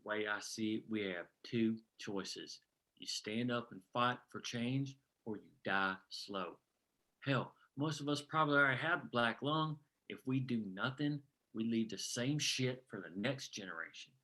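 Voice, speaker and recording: A man's voice: mid-range voice, measured pace. A man playing a defiant, folksy coal miner who organizes a union, in a script table read. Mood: grim, resolute. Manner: forceful, folksy, plain-spoken and profane.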